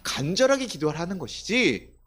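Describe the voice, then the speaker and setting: A man's voice: sits high, sing-song, brisk, a bit bright. A male pastor giving a conversational sermon, asking the congregation questions and acting out quoted voices. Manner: conversational preaching with rhetorical questions; acts out quoted voices of children and God.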